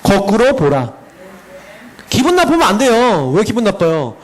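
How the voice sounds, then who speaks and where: A middle-aged male pastor preaching to a youth group in a lively, animated way, telling stories and laughing. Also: high voice, a little slow, poor audio.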